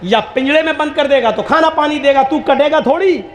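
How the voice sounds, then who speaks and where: A man voicing a frantic male pigeon caught in a net, wailing and shouting complaints in a joke. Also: very high-pitched, fairly quick, pitched above the performer's own voice.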